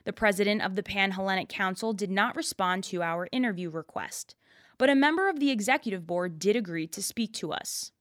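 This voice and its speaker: A woman's voice: mid-range voice, lively intonation, a little fast, fairly bright tone, dry recording, studio quality. A young woman narrating a scripted news report as a student radio reporter. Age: young adult.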